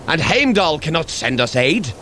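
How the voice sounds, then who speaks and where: An actor playing an earnest, blunt male warrior god in an audio drama, measured and solemn. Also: fairly high pitch, sing-song, sharp tone, a little hiss or hum. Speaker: Thor.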